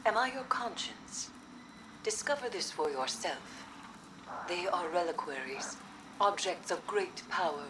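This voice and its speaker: A woman playing a severe, cryptic mystic in a video game, speaking in a solemn, ominous, measured way. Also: lowish voice, expressive, background noise. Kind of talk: video game dialogue acting. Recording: music behind the voice.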